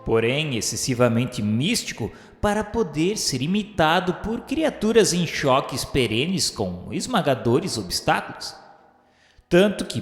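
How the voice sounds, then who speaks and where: Guy doing a solemn ghost narrator for a radio drama, declamatory and dramatic, big echoey reverb with music behind him. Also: medium pitch. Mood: solemn, brooding. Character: solemn male spirit of a dead man recounting his memoirs.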